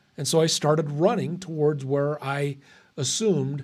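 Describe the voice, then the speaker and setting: At a moderate pace, a man speaks in a normal speaking voice, fairly high for a man, with ordinary pitch variation. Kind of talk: personal ghost story told to an audience.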